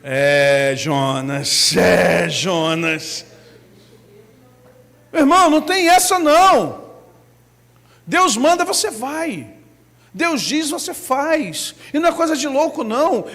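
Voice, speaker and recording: Brazilian preacher man, very high voice, bright and sharp, shouts in bursts. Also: very animated, measured pace, in a large hall. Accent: Brazilian Portuguese. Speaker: pastor. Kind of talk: sermon.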